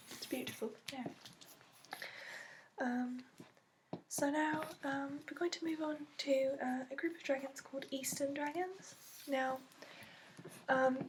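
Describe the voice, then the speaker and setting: A woman playing a gentle female dragon expert in a soft-spoken, partly whispered ASMR fantasy roleplay, explaining slowly and hesitantly in a put-on accent. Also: high voice, a little hiss or hum, close to an everyday voice. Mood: admiring, soft. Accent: put-on, non-native to the performer.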